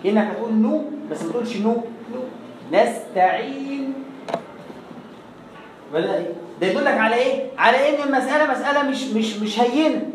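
Egyptian recitation teacher drilling words slowly, far off mic, faint hiss behind. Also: mid-range voice. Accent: Egyptian Arabic. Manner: recites example words slowly and repeats them to demonstrate. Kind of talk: classroom lesson with recited examples. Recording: echoey room, voice far from the mic.

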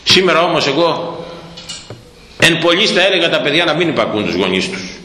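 A man preaching a sermon on scripture, with an emphatic, repetitive cadence and a somewhat hoarse throat. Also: on the high side, sing-song, pushed and bright, slight background noise. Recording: echoey hall, long reverb.

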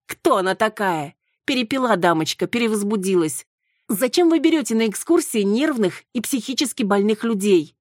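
A woman reading an audiobook, voicing a shrill, indignant woman in a crowd who sneers slowly. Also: expressive, no room sound, clean studio sound, lightly acted. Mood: scornful.

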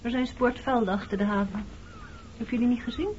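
A woman's voice: on the high side, fairly even intonation, a little fast, a little mellow, a little hiss or hum, natural voice. An actress playing a weary, defensive woman in her thirties, haunted by her wartime past, in a radio play. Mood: guarded. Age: 30s. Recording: dull old radio play recording.

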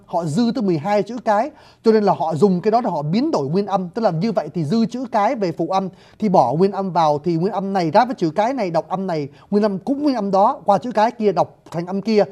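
Fast-talking lecturer. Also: medium pitch, mellow. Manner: explanatory, often addresses listeners as "quý vị". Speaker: lecturer on scripts and languages. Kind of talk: spoken lecture.

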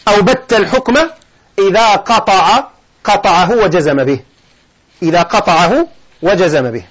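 A man's voice: high-pitched, a bit bright, muffled recording. A man teaching a lesson on verb forms, who questions his students and answers himself. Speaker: sheikh teaching Arabic morphology. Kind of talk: classroom lesson explaining a grammar poem.

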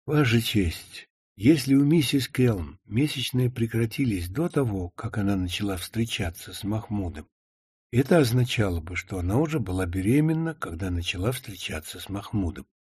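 A man reading the lines of a woman lawyer who asks probing, insistent questions in court, slightly lower and quieter than his narration. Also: expressive, normal speed, slightly rough, no room sound, clean studio sound. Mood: pressing.

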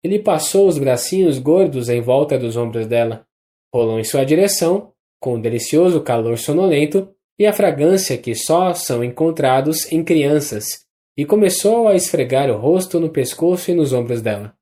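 An audiobook narrator with a Brazilian Portuguese accent, reading a classic novel in a measured, even way. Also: mid-range voice. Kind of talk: scripted literary narration.

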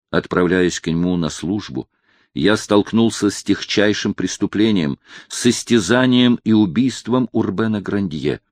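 A man's voice: low-pitched, no room sound, studio quality. A man voicing a proud, tormented young nobleman plotting in secret, in an intense, declamatory audiobook reading. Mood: resolute.

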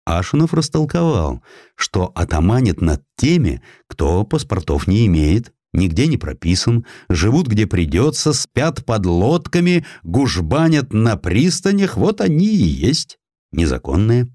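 Expressive, lower-pitched male storyteller. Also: a little slow, no echo, clean studio sound. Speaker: audiobook narrator. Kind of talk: dramatised scripted narration of historical story.

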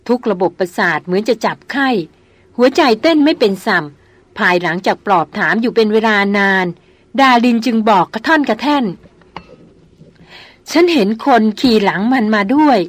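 A woman narrating an adventure novel aloud in a measured, expressive storytelling manner. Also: mid-range voice. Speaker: audiobook narrator.

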